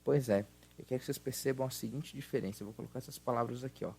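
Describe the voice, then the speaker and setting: A Brazilian man with a Portuguese accent teaches an English grammar lesson, explaining patiently and repeating words slowly to model pronunciation. His mid-range voice is warm, with vocal fry and a breathy edge.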